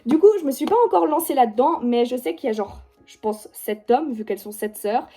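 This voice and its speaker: An 18-or-so book vlogger with a Swiss French accent talks casually from her bookshelf at home, rambling about her reading pile and filling every gap with "genre" and "du coup." Her voice is on the high side, mellow, and slightly rough, with lively intonation and a slightly fast pace. Faint music plays behind her.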